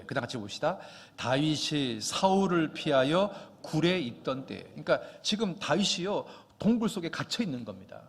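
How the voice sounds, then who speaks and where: A man preaching a Sunday sermon, swinging from quiet reading to loud, impassioned exhortation. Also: a little high. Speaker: pastor. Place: church sanctuary. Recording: long church reverb.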